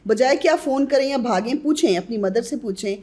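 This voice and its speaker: A woman's voice: on the high side, animated, darkish tone, slightly rough. A woman who is a guest on a podcast interview, earnestly advising mothers on newborn care and addressing them directly.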